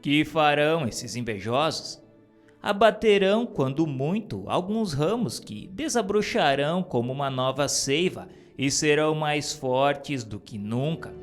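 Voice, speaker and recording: A man giving a solemn, earnest reading of a religious text, measured and exhorting. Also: a little high, lively intonation. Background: faint music.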